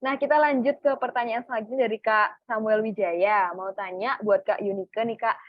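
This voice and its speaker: A woman's voice: fairly high pitch, steady tone, moderate pace, dry recording. A young woman hosting a webinar Q&A over a video call, reading out audience questions in an upbeat way. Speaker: webinar moderator. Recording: muffled dry call audio.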